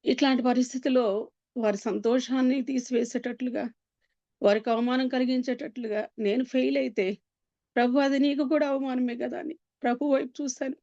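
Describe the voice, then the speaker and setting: A woman giving an emotional personal testimony, earnest and pleading, with pauses and many fillers. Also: high-pitched, warm tone, no echo. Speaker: Christian testimony speaker. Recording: dull, dry lo-fi sound.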